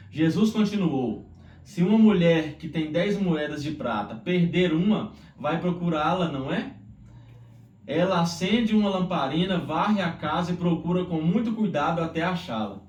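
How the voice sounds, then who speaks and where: Brazilian male devotional host, earnest, slightly high voice; prayer and scripture delivery, recorded at a distance from the mic. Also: darkish tone. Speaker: Bible reading host. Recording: roomy echo, distant mic, faint noise.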